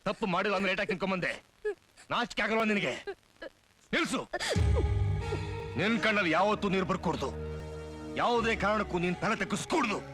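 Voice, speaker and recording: A man's voice: high voice, brisk, long pauses, bright, forceful tone. A fierce, proud father in middle age, talking in a raised, ringing voice over a swell of dramatic film music. He lectures his son sternly and demands that he grow up strong. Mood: stern scolding. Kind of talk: dubbed film drama acting. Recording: film score playing behind.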